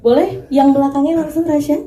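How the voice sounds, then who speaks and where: Woman moderator with a mellow voice, echoey hall. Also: high-pitched, steady tone, fast, far from the mic, faint music behind. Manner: brief prompts and affirmations. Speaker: press conference moderator. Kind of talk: moderating questions.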